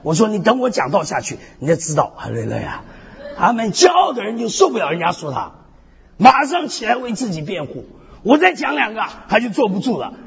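A North American male pastor with a high-pitched, fairly quick voice and vocal fry preaches an energetic sermon, blending humor and self-deprecating stories with frequent call-and-response hallelujahs. The animated delivery is captured in a dull hall with long reverb, with a crowd audible in the background.

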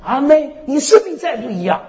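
A man preaching a sermon with lively storytelling, repeating "hallelujah, amen" again and again, swinging between loud and soft. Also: extremely high pitch, fairly quick. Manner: peppers speech with "hallelujah, amen" refrains. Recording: echoey hall, dull lo-fi sound.

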